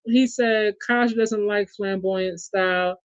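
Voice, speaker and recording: A man's voice: high-pitched, fairly even intonation, takes it slowly, clean tone, dry recording. New york guy hosting a sports chat, keeps saying y'all, dry muffled sound. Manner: chatty, addresses the audience as y'all and reads viewer comments aloud. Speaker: podcast host. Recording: dull lo-fi sound.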